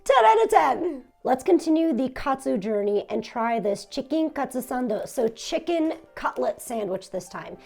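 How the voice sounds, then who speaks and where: A young woman hosting a casual food-tasting vlog, hoarse and nearly losing her voice, talking in a subdued, raspy monotone with small laughs. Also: high voice, moderate pace, few pauses, faint music behind. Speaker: food vlogger. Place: her home in Japan.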